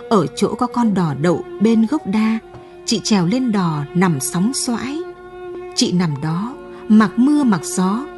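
A woman reading a late-night radio story as scripted narration, in a slow, sorrowful way, recorded in a radio studio. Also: mid-range voice, warm tone, breathy edge, no echo.

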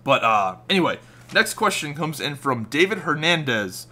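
A young man talking over game footage, voice a bit raspy since he just woke up. His tone is bright and forward, and he rambles in a loose, casual way, full of fillers and restarts. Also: a little high, very animated, moderate pace. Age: young adult. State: slightly raspy from just waking up. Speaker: gaming YouTuber. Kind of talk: casual voice-over commentary over gameplay.

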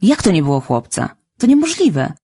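A woman voicing a stern, brisk middle-aged spinster who exclaims sharply and indignantly. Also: medium pitch, lively intonation, a little mellow, breathy edge, pitched above the performer's own voice.

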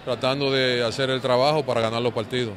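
Dominican guy, team manager, post-game answers, slow and halting, noisy outdoor recording. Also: mid-range voice, flat delivery. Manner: measured, hesitant with many fillers. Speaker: baseball manager.

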